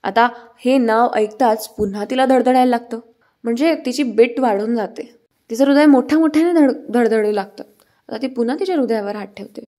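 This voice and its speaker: A woman retells a serial episode in a loose, chatty way, with frequent fillers. Her voice sits slightly high, and she speaks in a plain, conversational tone. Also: a little fast, mellow. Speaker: serial recap narrator. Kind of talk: casual story retelling.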